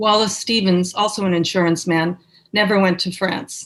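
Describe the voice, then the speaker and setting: A woman with an American accent speaks at a moderate pace. Her voice is medium in pitch with fairly even intonation. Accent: Boston accent, comes out at times. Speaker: poet. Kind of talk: poetry reading. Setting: video call.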